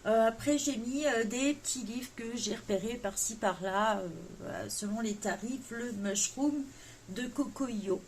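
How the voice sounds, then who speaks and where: Her voice is a little high and her pace measured, with a faint hiss or hum in the recording. She's a coloring vlogger chatting casually about her wish list, full of hesitant fillers, and she pokes fun at her own English accent.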